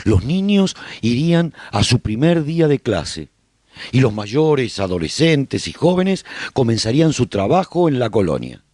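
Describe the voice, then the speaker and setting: A man playing a survivor who recounts life in a post-apocalyptic colony, narrating a radio serial in an expressive, husky storytelling voice. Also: mid-range voice, unhurried, dry recording, studio quality. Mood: hopeful. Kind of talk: scripted first-person radio drama narration.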